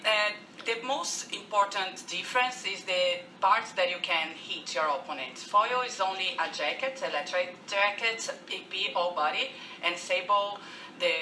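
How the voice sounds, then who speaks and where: A young woman from Brazil with a Brazilian accent, speaking careful, halting English with many restarts as a guest on a radio interview. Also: lowish voice, bright, forceful tone, roomy sound, recorded from a distance, a little hiss or hum, poor audio. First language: Portuguese. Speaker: guest, fencer.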